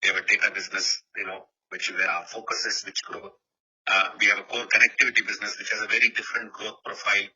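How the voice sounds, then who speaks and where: A man's voice: lowish voice, little pitch movement, fast talker, sharp tone, slightly rough. A man, a company executive answering analysts on an earnings call, with a hesitant manner and frequent "you know" asides. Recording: muffled, lo-fi conference call audio.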